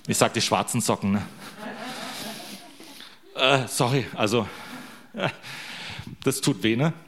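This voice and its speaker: A man's voice: mid-range voice, takes it slowly, a crowd in the background. A man giving an informal sermon to his congregation. He is a father of young children who talks in a loose, joking way and keeps tagging his sentences with little questions to the listeners. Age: young adult to middle-aged, a father. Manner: chatty, joking, constant tag questions. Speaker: preacher.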